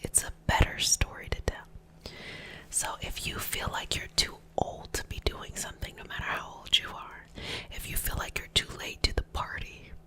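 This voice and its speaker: Woman doing asmr, all breathy whisper, bright and airy, gentle encouraging pep talk. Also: moderate pace, poor audio. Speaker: ASMR host and energy healer.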